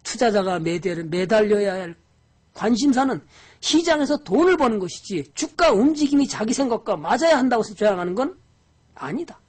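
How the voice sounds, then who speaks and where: Husky woman giving a lively market lecture. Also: fairly high pitch, fairly quick. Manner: lively lecturing with frequent rhetorical questions. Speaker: stock investment lecturer. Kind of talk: investment lecture.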